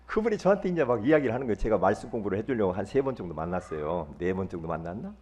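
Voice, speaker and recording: A male pastor giving a sermon in a lively, conversational way, often asking the congregation questions. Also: lowish voice, rapid-fire, muffled recording, slight background noise. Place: church.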